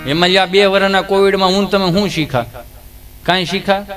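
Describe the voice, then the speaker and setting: A man's voice: sits high, normal speed, faint music behind. A man, a stand-up comedian telling rambling comic stories. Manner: lively, rambling joke-telling. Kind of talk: folk comedy storytelling.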